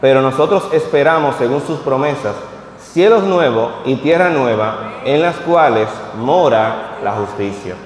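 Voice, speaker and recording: This preacher, in his thirties, has a mid-range voice with lively intonation and a slightly slow delivery. He reads scripture aloud at a vigil in a church hall, then speaks plainly to those gathered, his words ringing with long reverb in the echoey space.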